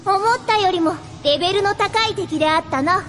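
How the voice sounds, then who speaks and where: A woman's voice: very high-pitched, normal speed, fairly bright tone, slight background noise. A woman playing a proud young princess with haughty, archaic royal diction in a Japanese fantasy radio drama. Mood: indignant. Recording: studio drama with music behind.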